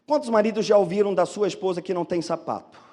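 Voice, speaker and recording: A man with another first language preaching a lively sermon as a pastor, acting out the excuses people give. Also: high-pitched, quick pace, in a large hall. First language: not Portuguese. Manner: animated, acts out excuses of churchgoers.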